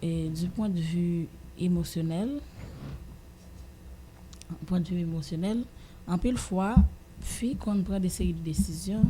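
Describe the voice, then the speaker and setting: Haitian woman on a radio panel, lowish very mellow voice, stops and repeats herself a lot, bit of background rumble. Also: fairly even intonation, rough recording. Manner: halting, searching for words, repeating phrases. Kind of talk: casual opinion discussion.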